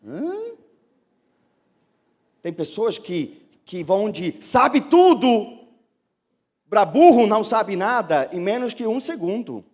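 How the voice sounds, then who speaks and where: A man with another first language preaching a lively sermon as a pastor, acting out the excuses people give. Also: sits high, slow, pauses often, long reverb tail. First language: not Portuguese. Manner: animated, acts out excuses of churchgoers.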